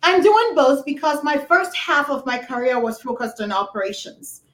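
High-voiced woman from Ghana, echoey. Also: expressive, normal speed, fairly bright tone. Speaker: guest. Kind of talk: casual interview chat. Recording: echoey room.

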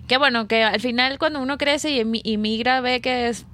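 A woman with a Venezuelan accent, a guest on a casual podcast, chatting in a relaxed, agreeable way. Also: on the high side, brisk.

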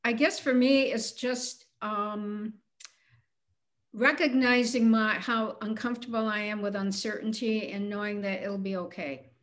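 A woman's voice: mid-range voice, fairly even intonation, measured pace. Candid woman in her seventies. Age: 70s. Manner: candid, plainspoken, self-deprecating. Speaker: guest. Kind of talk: casual interview conversation.

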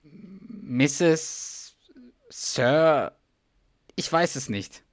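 A man's voice: on the high side, expressive, extremely slow, dry recording, studio quality. A man reading a flustered, defensive husband. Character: blustering man who fakes a heart attack. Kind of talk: podcast read-through of a sitcom scene.

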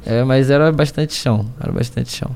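A man from Niterói with a carioca accent, his voice gravelly with fry. He talks in a dark, mellow tone, slow and hesitant, piling up slang fillers as a podcast guest. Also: medium pitch. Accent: Carioca Brazilian Portuguese. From Niterói, Rio de Janeiro, Brazil. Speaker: podcast guest, rap battle MC. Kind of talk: casual interview chat.

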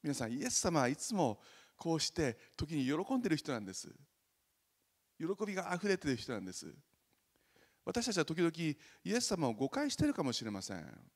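A man preaching a sermon as pastor, animated and joking, loudly acting out the voices he quotes. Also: fairly high pitch, normal speed, in a large hall. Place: church sanctuary.

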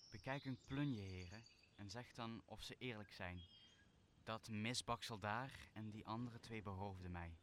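Casting: stern yet forgiving magician master played by a man, low and measured, for a radio play; slightly noisy recording. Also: fairly bright tone. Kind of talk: stage-like Shakespearean radio drama.

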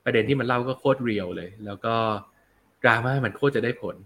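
A young adult man hosting a casual film review show, chatting in a relaxed, slangy way and answering viewer comments. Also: mid-range voice, fast talker, a little hiss or hum.

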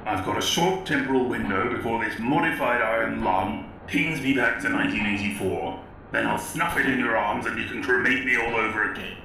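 Gravelly, echoing grumpy old man. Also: medium pitch, fairly quick, pushed and bright. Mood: sardonic. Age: older. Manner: impatient, sardonic storyteller. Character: grumpy dying elderly George Orwell, future Big Brother overlord. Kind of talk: comedy audio drama acting. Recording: very echoey, distant, faint noise.

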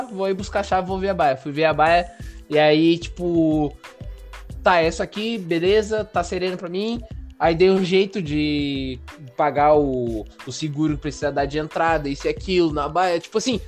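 A man from Rio do Sul, chatting casually as a podcast co-host in a slangy, rambling way with many fillers. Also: high voice. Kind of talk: casual chat.

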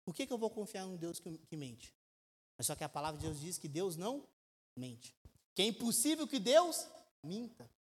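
A man, preaching a sermon as a pastor. He speaks with emphatic rhetorical questions and swings between loud and quiet. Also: sits high, big pitch swings, moderate pace, slightly rough. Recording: echoey church hall with long reverb.

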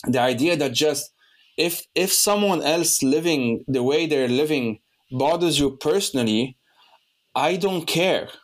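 A man's voice: on the high side, animated, measured pace. Rambling young man from Lebanon. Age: young adult. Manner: rambling, many restarts and fillers. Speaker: podcast host. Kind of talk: casual conversation.

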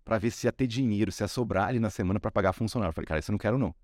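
Fast-talking Carioca man, low voice. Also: a little mellow, dry recording, clean studio sound. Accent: Carioca Brazilian Portuguese. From Rio de Janeiro, Brazil. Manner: chatty storyteller, frequent tag questions. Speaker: guest, sales executive. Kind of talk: casual podcast interview.

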